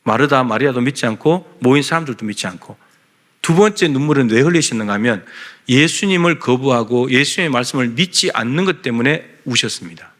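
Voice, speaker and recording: Male pastor, bright and forceful, earnest sermon delivery in a church. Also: medium pitch, animated, brisk. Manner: earnest, acts out God's questions to the congregation. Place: church sanctuary.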